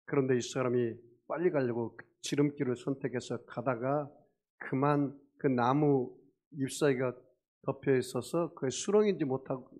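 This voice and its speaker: A man preaching a sermon as pastor, telling stories, questioning the congregation and acting out loud cries for help. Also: medium pitch. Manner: storytelling with acted shouts and audience questions.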